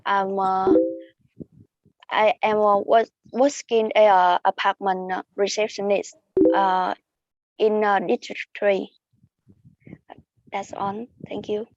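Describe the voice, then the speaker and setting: A woman's voice: mid-range voice, flat delivery, takes it slowly, pauses often, no room sound. A woman in her twenties with a Vietnamese accent, hesitantly introducing herself in an English class. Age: 20s. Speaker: student. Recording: dull call audio, faint noise.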